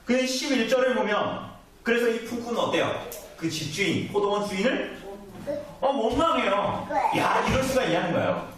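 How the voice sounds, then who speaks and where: A man's voice: high voice, big pitch swings, normal speed, a bit bright, distant mic. A man preaching a sermon to his congregation in a conversational way, often asking them questions and acting out the people in his story. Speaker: pastor. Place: church sanctuary. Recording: echoey church recorded from afar.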